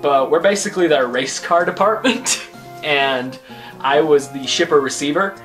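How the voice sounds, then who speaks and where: A man's voice: fairly high pitch, moderate pace, a bit bright, soft background music. A man in his twenties, the host of his own vlog, answering questions about himself in a joking, rambling way. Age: 20s. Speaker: YouTube host. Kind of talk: casual vlog Q&A.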